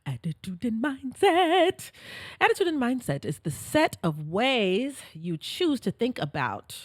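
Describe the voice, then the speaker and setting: A woman's voice: mid-range voice, sing-song, dry recording. Middle-aged woman co-host, thoughtful and explanatory, mid-range voice, dry close sound. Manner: reflective, explains ideas, slows down for emphasis. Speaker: podcast co-host. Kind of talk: casual chat.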